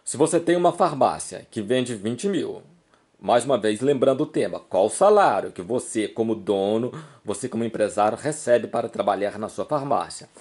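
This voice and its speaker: A man's voice: fairly low pitch, expressive, moderate pace, darkish tone. A man with a Brazilian accent giving informal instructional advice as a video host, explaining by example in a repetitive, emphatic way with frequent check-in tags.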